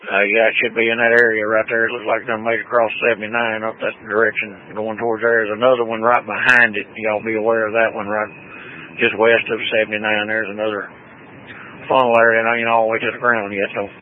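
Storm-spotter man, heard over a two-way radio: low, monotone, tinny radio channel. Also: a little fast. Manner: terse, repeats words while reporting. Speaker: storm spotter for county emergency services. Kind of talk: radio traffic.

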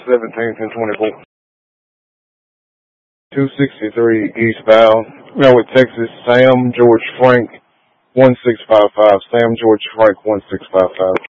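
A man's voice crackling over a police radio, thin and phone-like in band. He talks at a middling pitch, terse and businesslike, rattling off codes and plate numbers. Every word is squeezed through the narrow radio channel. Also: fairly even intonation, slow, dry recording. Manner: terse, matter-of-fact radio delivery with fillers. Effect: police radio transmission. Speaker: police officer on patrol.

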